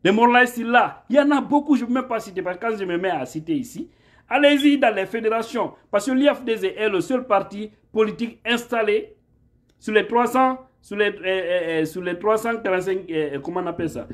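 A man's voice: high voice, a little fast. A man, giving an impassioned political monologue to a phone camera at home, emphatic and rhetorical, often asking "hein?". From Guinea. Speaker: political commentator. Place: indoor room at home. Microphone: phone camera held at arm's length.

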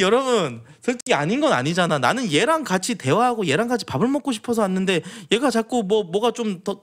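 A young man talks through stories and news in a loose, chatty way, his pitch bouncing all over as he acts out bits of dialogue. His voice sits a little higher than most men's. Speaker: streamer. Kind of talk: casual commentary on news and stories.

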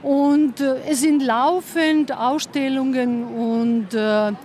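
A woman's voice: high voice, steady tone, slow pace, darkish tone. A woman answering interview questions outdoors, hesitating with many fillers. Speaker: gallery founder. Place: outdoor street festival. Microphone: handheld mic.

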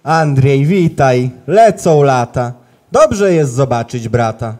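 A man's voice: medium pitch, animated, slow pace, darkish tone. An actor playing an earnest, pious male archangel in a rhyming nativity comedy. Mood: warm.

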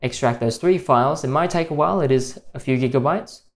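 In a screen-recorded voice-over, a man hosts a tech tutorial, calmly walking through each step. His mid-range voice moves at a brisk clip.

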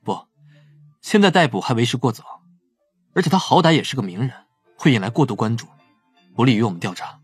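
Man acting a wry, husky young investigator. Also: medium pitch, very animated, brisk, pauses often, no room sound. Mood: wry, shrewd. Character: wry, shrewd young male police profiler. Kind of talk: audio drama acting. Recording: faint music under the voice.

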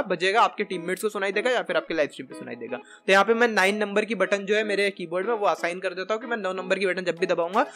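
A man in his twenties, sitting at a gaming chair indoors, narrates a screen-capture software tutorial for gamers in a voice that sits high. He's informal and chatty, mixing Hindi with English tech terms, and music plays behind him.

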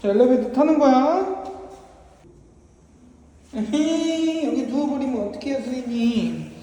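At home, a vlogger playfully coaxes his kitten in baby talk, his voice extremely high, expressive, and mellow, at a measured pace. The casual vlog is recorded indoors in an echoey room with a little faint noise.

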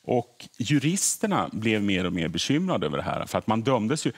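A man's voice: on the low side, sing-song, slightly rough. A middle-aged man, a history podcaster, explaining earnestly in a TV studio interview and often repeating words as he thinks. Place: TV morning show studio.

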